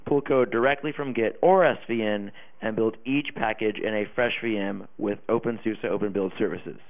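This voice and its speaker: A man's voice: lowish voice, normal speed. A man hosting a conference room, reading out a sponsor announcement in a plain, read-out way. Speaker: room host. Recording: tinny phone-like conference recording.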